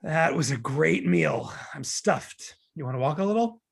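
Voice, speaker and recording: A man acting as an awkward single guy in a romantic comedy read. His voice is husky and creaky, and he talks in a conversational, stammering way. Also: fairly high pitch, lively intonation, measured pace, heavily acted. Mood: casual.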